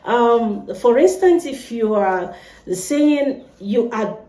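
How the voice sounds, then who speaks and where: A woman's voice: on the high side, slow pace, echoey room. A woman from Nigeria with a Nigerian accent, chatting casually to camera as a vlogger and laughing often. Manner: laughs often, animated and playful.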